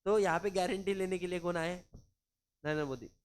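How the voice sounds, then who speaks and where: A man's voice: high voice, steady tone, fairly quick. A man from Maharashtra, teaching law in a chatty, informal lecture, mixing in English and acting out anecdotes. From Maharashtra, India. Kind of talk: casual classroom lecture.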